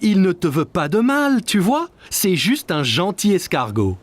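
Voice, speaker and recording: A man voicing a gentle, reassuring young father in a children's cartoon, patient and cheerful as he explains. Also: high-pitched, huge pitch swings, a little slow, soft background music, heavily acted.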